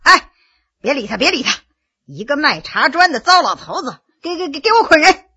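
A swaggering male army officer, as a woman puts him on, loud and bullying. His voice is bright and lively. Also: high voice, moderate pace, exaggerated voice. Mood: blustering. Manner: blustering and loud.

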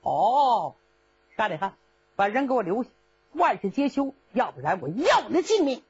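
Brief: a young hero general calling out in battle, voiced by a woman, high and sweeping, dull lo-fi recording. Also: big pitch swings, normal speed, a little mellow, slightly rough, full character voice. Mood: stern. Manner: ringing battle cries. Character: young heroic male general.

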